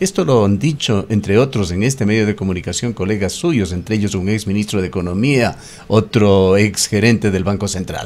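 This man has an unremarkable speaking voice, fairly low in pitch, with ordinary pitch variation, a moderate pace and hardly any pauses. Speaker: radio host. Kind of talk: radio interview.

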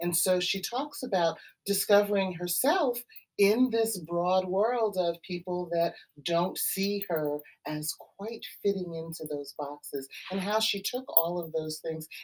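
A woman speaks at a fairly slow pace with an American accent. Her pitch variation is ordinary, and the background is quiet. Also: medium pitch for a woman. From New York City, the Bronx. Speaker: college professor and diversity program leader. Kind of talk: webinar discussion. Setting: video webinar. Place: office. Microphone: camera far.

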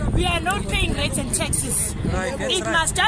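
A woman speaks at a moderate pace, the sound dry with no echo. Loud background noise runs behind her. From South Africa. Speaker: community protester. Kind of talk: impassioned street protest speech to camera, airing residents' grievances. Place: street. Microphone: phone near.

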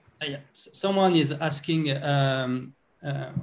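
With a French accent, a man talks at a very slow pace and uses ordinary pitch variation. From France. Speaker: documentary filmmaker; conference host or guest. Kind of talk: presentation. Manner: halting. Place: home room. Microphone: video call.

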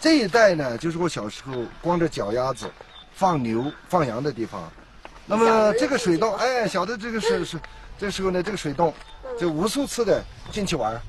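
With very wide pitch swings, a man speaks at a high pitch in a dry sound with no echo, over noticeable background noise. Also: moderate pace. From Yunnan, southwest China. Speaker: local historian; guest. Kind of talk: casual interview. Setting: outdoors. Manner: halting. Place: open country.

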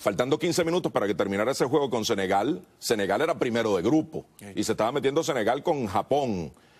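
Speech comes at a fairly quick pace with hardly any pauses and lively intonation. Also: man. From Venezuela. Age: 50s. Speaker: sports journalist. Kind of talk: TV interview. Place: studio.

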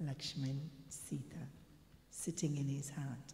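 There is audible room echo. Through it, a woman talks. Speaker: spiritual storyteller. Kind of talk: storytelling talk. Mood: warm, gentle. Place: hall.

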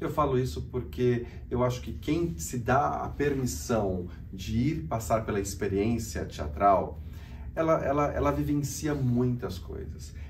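A man with a medium-pitched voice and vocal fry talks at a fairly slow pace, his pitch swinging very widely. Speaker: theatre manager. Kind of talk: interview.

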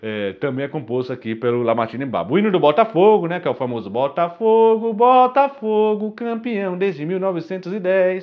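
A high-pitched man at a moderate pace with very wide pitch swings, hardly any pauses and a quiet background. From Bahia, Brazil. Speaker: music YouTuber. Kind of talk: casual vlog monologue. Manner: hesitant, many fillers. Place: home room.

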